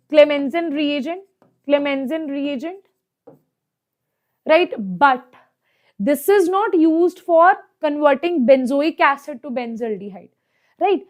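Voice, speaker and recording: A woman with a South Asian accent teaching an exam problem lesson step by step, often checking that students follow with short questions. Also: sits high. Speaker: chemistry teacher.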